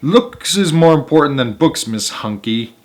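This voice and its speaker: A man's voice: on the high side, animated, unhurried, voice pushed up. A man voicing a vain, smug, middle-aged housewife in a storybook, snappish and scornful. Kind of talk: storybook read-aloud character voice.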